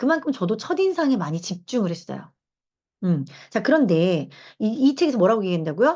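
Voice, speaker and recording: Against a quiet background, a woman with a fairly high pitch and a dark, mellow tone makes very wide pitch swings. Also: fairly quick pace. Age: 40s. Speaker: lecturer. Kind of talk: lecture. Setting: room with live audience. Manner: conversational.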